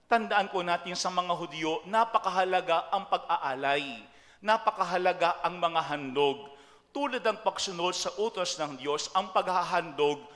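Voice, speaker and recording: Filipino priest, middle-aged, fairly high voice, storytelling sermon in a reverberant church. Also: male voice, a bit bright. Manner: storytelling, slows to stress English key phrases. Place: large church.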